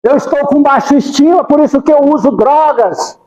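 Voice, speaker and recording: Guy preaching at a spiritist center, high voice but mellow, fervent pleading prayers, hall echo. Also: moderate pace, muffled recording. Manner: fervent, pleading, repeats the name of Jesus. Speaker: spiritist lecturer. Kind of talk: devotional talk with spoken prayers.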